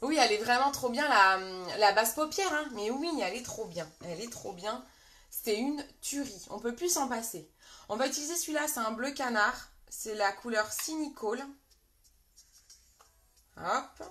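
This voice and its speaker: A woman's voice: on the high side, expressive, normal speed, fairly bright tone. Chatty French woman on a live makeup stream. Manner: chatty, greets viewers by name, many fillers. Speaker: makeup seller and live host. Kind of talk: casual live makeup tutorial. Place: her bedroom.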